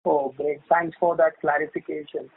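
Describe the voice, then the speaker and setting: A man's voice: a little high, level tone, normal speed, vocal fry. A man, an analyst putting questions on an earnings call. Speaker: equity analyst. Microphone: phone. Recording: phone-like conference line.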